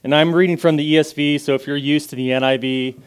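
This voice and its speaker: A man preaching a sermon in a casual way, reading scripture with rising emphasis and then praying softly. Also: fairly high pitch, fairly even intonation, fast talker, smooth. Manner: loud, casual and self-deprecating, reads scripture with rising emphasis, prays softly. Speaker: guest preacher.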